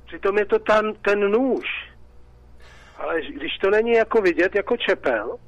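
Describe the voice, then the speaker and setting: Czech male caller, slightly high, agitated and rhetorical; dry, dull phone-in sound. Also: animated. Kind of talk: call-in radio talk.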